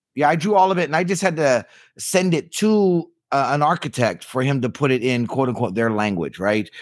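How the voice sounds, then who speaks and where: A man speaks at a fairly quick pace with a fairly high pitch and very wide pitch swings. The recording is very clean, with a silent background. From Polynesia. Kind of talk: casual chat. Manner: halting.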